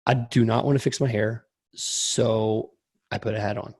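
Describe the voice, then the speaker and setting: A man co-hosting a podcast with a slightly hoarse, crackly voice, chatting casually in a self-deprecating, slightly awkward way. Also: on the low side, fairly even intonation, moderate pace, a little mellow. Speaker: podcast co-host.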